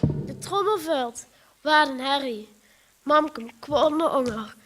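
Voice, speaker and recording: A woman's voice: high voice, slow, music in the background. A female contestant with a Limburgish accent reciting a rhymed poem dramatically.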